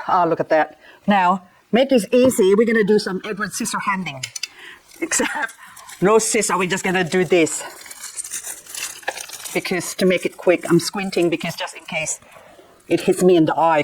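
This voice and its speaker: Chatting while she repots and cleans up succulents, a middle-aged gardening vlogger raised in the Philippines keeps things playful, with self-mocking asides. Her fairly low voice moves at a normal speed but pauses often. The audio is poor, with slight background noise.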